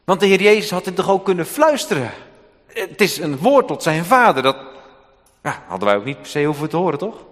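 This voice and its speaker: A man preaching a sermon, swinging between hushed, slow passages and loud, emphatic ones. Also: a little high, sing-song. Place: church hall. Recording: long church reverb.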